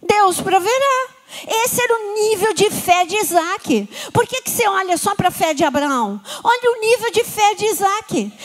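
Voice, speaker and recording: A woman with a Brazilian Portuguese accent preaching a sermon with fervor and calling out to her congregation. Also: extremely high pitch. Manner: fervent, call-and-response with the congregation.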